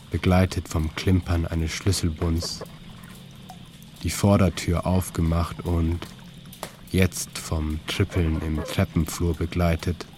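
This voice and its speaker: A man calmly narrating a literary audio story in a slow, even third-person telling. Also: low voice. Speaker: author-narrator of an audio piece. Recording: clear ambient noise bed under the voice.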